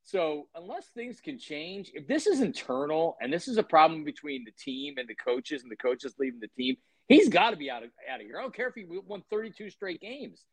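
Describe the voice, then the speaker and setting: Middle-aged male guest, halting and emphatic, dry remote-call audio. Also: on the high side, big pitch swings, husky, dry recording, low-quality recording. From Philadelphia area. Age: 50s. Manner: halting, repeats words, opinionated. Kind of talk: casual podcast chat.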